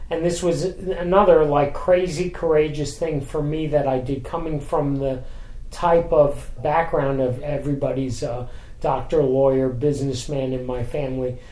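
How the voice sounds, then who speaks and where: Speaking with a New York accent, a man with a fairly high pitch keeps fairly even intonation at a moderate pace. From New York City (Manhattan). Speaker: street performer, magician and comedian. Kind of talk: casual interview. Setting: at home.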